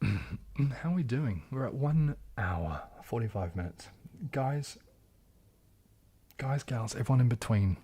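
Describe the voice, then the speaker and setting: A young man hosting a casual livestream Q&A, soft-spoken and often slipping into a whisper. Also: mid-range voice, expressive, takes it slowly, long pauses, husky. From New Zealand. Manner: soft-spoken, drifting into whispers, frequent restarts. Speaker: ASMR livestream host.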